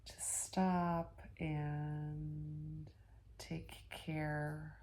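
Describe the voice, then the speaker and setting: A woman leading an ASMR guided meditation in a soft, gentle, unhurried voice that slips toward a whisper, with long pauses. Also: deep voice, little pitch movement.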